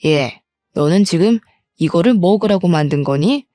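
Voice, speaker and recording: A sharp-tongued older mother-in-law nags and belittles without pause, as a female storyteller puts her on. The voice sits a little lower than the teller's own and has a mellow, soft tone. It is recorded dry and close, like a storybook audio reading. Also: animated, no echo, lightly acted. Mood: scolding. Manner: scolding, contemptuous.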